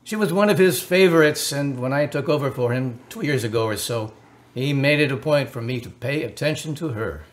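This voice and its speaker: A man's voice: medium pitch, lively intonation, brisk, lightly acted. A man acting the part of an earnest, solicitous Catholic priest in a radio drama, speaking formally and a little hesitantly in a consoling, pastoral way. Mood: gentle, consoling.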